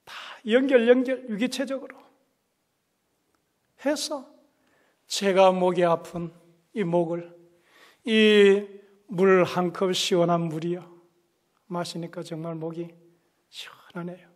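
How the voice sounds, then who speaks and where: A man preaching a sermon as a pastor, emphatic and repeating key phrases, swinging between loud exclamations and hushed asides. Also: sits high, steady tone, slow pace, pauses often. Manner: repeats key phrases and puts questions to the congregation. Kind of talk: Korean Protestant sermon. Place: church service.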